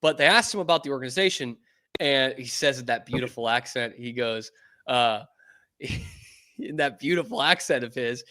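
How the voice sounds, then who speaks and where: A man from New England hosting a sports show, talking casually and getting excitable and profane. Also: mid-range voice, normal speed.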